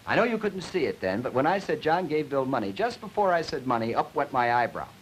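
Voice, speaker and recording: A man giving an explanatory educational lecture in an emphatic, deliberate, didactic way, as a linguistics lecturer. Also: medium pitch, sing-song. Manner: emphatic, deliberate, didactic, stressing key words. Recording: noisy 1950s educational film soundtrack.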